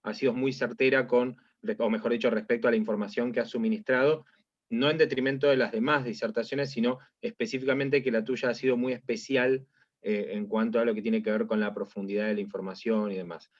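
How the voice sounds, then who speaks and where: A man's voice: medium pitch, fairly even intonation, fairly quick, no echo. A man moderates an online panel in a mid-range voice, thanking and introducing speakers with many fillers and rephrasings. His sound is dry and muffled, like video-call audio. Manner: wordy, filler-heavy, restating phrases. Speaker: event moderator. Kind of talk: formal introductions.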